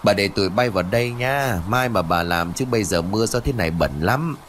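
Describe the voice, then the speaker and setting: A man voicing a stubborn older village grandmother in a spoken ghost story, sharp and defiant. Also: lowish voice, fairly quick, a little hiss or hum, close to an everyday voice. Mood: fond.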